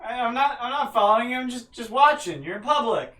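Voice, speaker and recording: A man's voice: high voice, very animated, measured pace, fairly bright tone, voice pushed up, full character voice. A man voicing a frightened, cornered spy in a tabletop game, stammering and pleading evasively. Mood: panicked pleading. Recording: roomy, distant mic with some noise.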